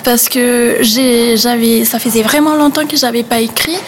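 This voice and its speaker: Young woman, non-native French speaker, higher voice, relaxed interview chatter. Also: moderate pace, slight background noise. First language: not French. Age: young adult. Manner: hesitant, many fillers, laughs easily. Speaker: webzine co-founder, guest. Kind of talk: casual interview answers.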